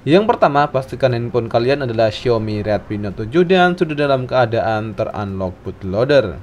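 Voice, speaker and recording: A man's voice: mid-range voice, lively intonation, normal speed, soft background music. Man narrating a step-by-step tutorial.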